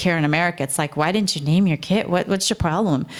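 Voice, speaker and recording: Through noticeable background noise, the speech carries lively intonation. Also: woman. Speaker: keynote speaker. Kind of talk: keynote speech. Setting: stage with audience. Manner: fast talker.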